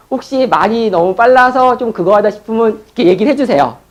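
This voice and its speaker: Lively intonation from a man, his pace fairly quick. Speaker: franchise consultant lecturer. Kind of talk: lecture. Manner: fast.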